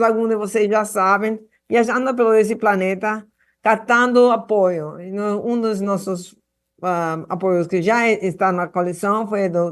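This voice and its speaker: A woman from Argentina speaking Portuguese, giving an earnest address to a public hearing over a remote link, halting with frequent restarts and fillers. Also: lowish voice. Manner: passionate, earnest.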